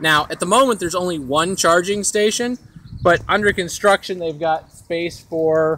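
Over light background noise, a man with a high pitch and a bright, sharp tone speaks at a moderate pace with ordinary pitch variation. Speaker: road-trip vlogger. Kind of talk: casual vlog chat. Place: street. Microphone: phone near.

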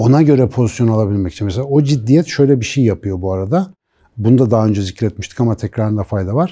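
A man talks at a very fast pace in a dark, mellow tone, with ordinary pitch variation over a quiet background. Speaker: podcast co-host, academic; podcast co-host. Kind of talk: casual chat. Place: studio. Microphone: lapel.

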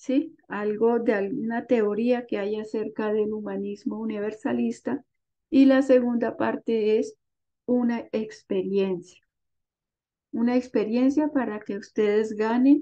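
A dark, mellow voice moves at a very slow pace with fairly even intonation. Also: woman. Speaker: teacher. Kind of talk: lecture. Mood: calm, warm. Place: home room. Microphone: earbuds.

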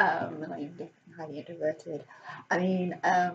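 A woman talks at a fairly slow pace with fairly even intonation. There is light background noise. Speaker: vlogger. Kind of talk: casual vlog chat. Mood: relaxed, laughing at times. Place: home room. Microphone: camera far.

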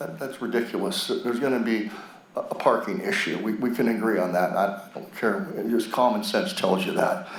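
A man with a medium pitch talks at a moderate pace, his pitch swinging very widely. The room echoes audibly, and background noise is noticeable. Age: 60s. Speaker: public commenter. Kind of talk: public comment at meeting. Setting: council chambers. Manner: halting.

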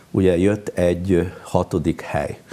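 A man speaking at a fairly slow pace. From Hungary, Zala county (Zalaegerszeg); Hungary. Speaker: basketball coach. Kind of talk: interview. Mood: reflective, calm. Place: studio.

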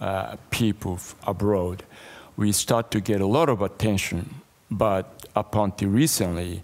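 A man's fairly low, fairly slow delivery in a normal speaking voice. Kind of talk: conference talk. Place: hall. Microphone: headset.

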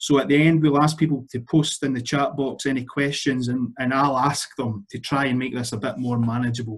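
With a Scottish accent, a man talks at a fairly quick pace with hardly any pauses and fairly even intonation. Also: quiet background. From Scotland. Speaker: politician chairing a panel. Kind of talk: panel moderation. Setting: video call. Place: home room. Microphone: video call.

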